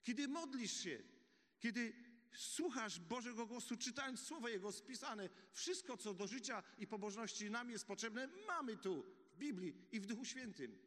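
A man preaching a sermon, telling the story vividly and dropping to a hush for key points. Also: high voice. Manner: animated storytelling with dramatic drops to a hush. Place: church hall. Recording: echoey church hall.

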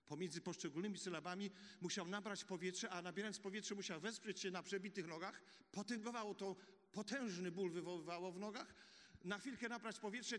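A man preaching a sermon, telling the story vividly and dropping to a hush for key points. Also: high-pitched. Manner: animated storytelling with dramatic drops to a hush. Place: church hall. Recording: echoey church hall.

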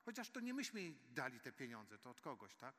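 A man's voice: mid-range voice, big pitch swings, fairly quick, sharp tone. A man preaching a sermon and leading a spoken prayer, earnestly addressing his listeners as dear friends. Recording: long hall reverb.

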